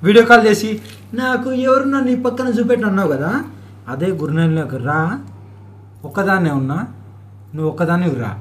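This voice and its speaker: A woman's voice: fairly low pitch, brisk, pauses often. A woman talking informally in a private phone conversation. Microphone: phone call. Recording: echoey, noisy leaked phone call recording.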